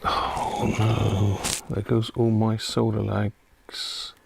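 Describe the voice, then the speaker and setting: A man's voice: fairly low pitch, monotone, extremely slow, creaky, noisy background. A man giving casual live commentary as he does electronics repair, chatting and half muttering to himself while he works.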